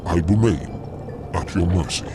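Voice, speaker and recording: A man's voice: low voice, noisy background. A man playing a stranded cosmic explorer who speaks in a formal, dryly courteous manner in an audio drama. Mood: formal, wry. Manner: formal, measured, dry. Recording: loud music bed underneath.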